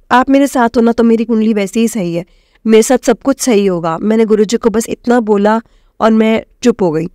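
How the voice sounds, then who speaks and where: A young woman from Himachal Pradesh telling her personal testimony to a congregation, addressing them warmly and mixing in English words. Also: mid-range voice, no echo, studio quality. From Himachal Pradesh, India. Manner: addresses listeners as "sangat ji", mixes in English words. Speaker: devotee sharing a testimony.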